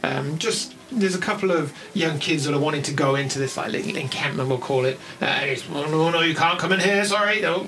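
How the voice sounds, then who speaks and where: Speech from a man with ordinary pitch variation, noticeable background noise behind it. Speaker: dungeon master. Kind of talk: tabletop roleplaying game narration.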